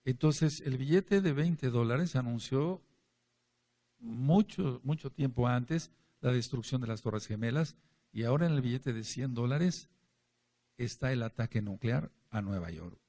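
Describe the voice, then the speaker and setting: A man's voice: medium pitch, a little slow. A man preaching a sermon and reading scripture aloud, emphatic, with his voice rising and falling. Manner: emphatic preaching, asks for amens, swings between loud and quiet.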